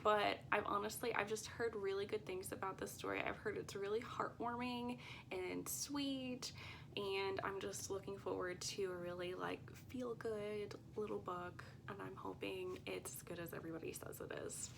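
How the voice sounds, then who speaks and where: A woman's voice: medium pitch, fairly even intonation, normal speed, vocal fry, background noise. A woman book vlogger talking casually to viewers in a chatty, rambling and often unsure way.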